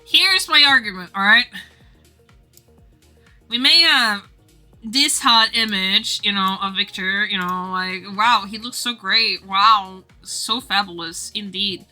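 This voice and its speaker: A woman streaming casually to her viewers in a giggly, rambling, animated and teasing way as she works on art. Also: medium pitch, slow pace, soft background music. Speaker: streamer drawing game art live. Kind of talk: casual livestream chat with viewers.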